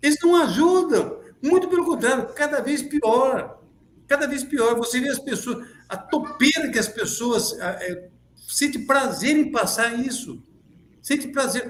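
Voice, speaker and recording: With audible room echo around him, a man speaks at an extremely high pitch, slowly but with lively intonation. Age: 70s. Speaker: journalist. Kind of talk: online panel discussion. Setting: livestream. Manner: animated.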